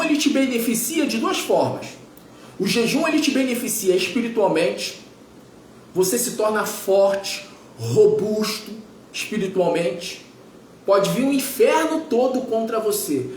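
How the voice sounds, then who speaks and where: A man's voice: very high voice, echoey room, a little hiss or hum. A man in his forties preaching a sermon as pastor, emphatic and repetitive, firing off rhetorical questions. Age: 40s.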